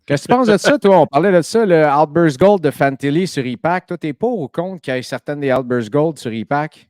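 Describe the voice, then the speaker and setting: Smooth-voiced chatty man. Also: a little high, lively intonation, a little fast, darkish tone, no room sound, clean studio sound. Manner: chatty, enthusiastic, many fillers. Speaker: host. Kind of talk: casual podcast chat.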